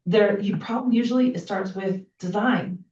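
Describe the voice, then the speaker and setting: A woman's voice: medium pitch, normal speed, a little mellow. A woman on a town commission speaking at a public meeting, thinking aloud with fillers like "like" and "um". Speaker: commission member. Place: meeting room. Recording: echoey room, distant mic, dull sound.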